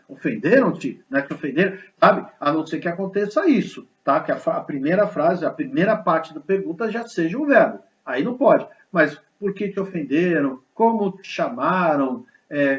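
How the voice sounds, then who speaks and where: A male teacher gives a grammar lesson in a lively, explanatory way and often checks in with rhetorical questions. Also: sits high. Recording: slightly dull lo-fi recording.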